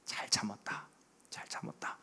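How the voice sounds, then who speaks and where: A man voicing God in a soft near-whisper, in a whispered role-play, giving tender, short words of praise. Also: normal speed. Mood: gentle praise. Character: gentle, approving voice of God, male.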